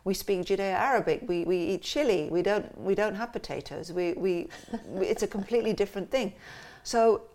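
A woman telling family and cultural stories as an interview guest in a lively, animated way. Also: medium pitch, moderate pace, few pauses. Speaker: interview guest, musician and cartoonist. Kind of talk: casual conversational interview.

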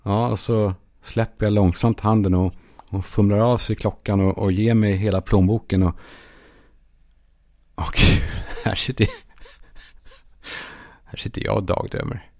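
A man hosting a solo comedy podcast, telling absurd stories in a deadpan way and now and then shouting out quoted lines. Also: lowish voice, pauses often. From Sweden. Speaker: podcast host.

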